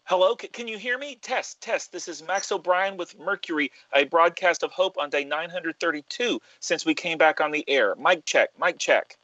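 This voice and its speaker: A man's voice: a little high, expressive, moderate pace, hardly any pauses, pushed and bright, dry recording. An actor playing an anxious male radio host testing a faulty microphone, his voice coming through a patchy, degraded signal like a dropping call. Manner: hesitant, testing, repeating himself. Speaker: radio broadcaster. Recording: dull lo-fi broken signal.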